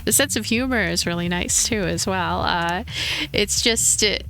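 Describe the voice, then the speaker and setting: A woman's voice: mid-range voice, a little slow, vocal fry, fairly bright tone, rough recording. A woman hosting a let's play, commenting casually and tentatively as she thinks aloud. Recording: faint game music behind.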